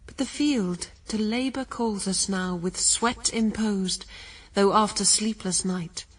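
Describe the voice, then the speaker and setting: A woman's voice: medium pitch, takes it slowly, slightly rough, distant mic. An actress playing the first woman, a humble, penitent and devoted wife, speaking solemn verse in a radio drama. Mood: resigned, tender.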